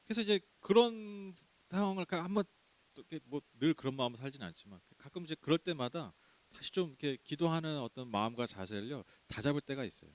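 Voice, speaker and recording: A man's voice: a little high, lively intonation, fast. A man preaching a sermon in a conversational way, asking the congregation questions and laughing now and then. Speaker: pastor. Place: small church.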